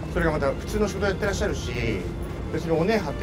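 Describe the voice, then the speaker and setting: Clear background music behind a man talking. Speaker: video host. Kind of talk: casual vlog chat, storytelling. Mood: animated gossiping story. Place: street. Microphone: phone near.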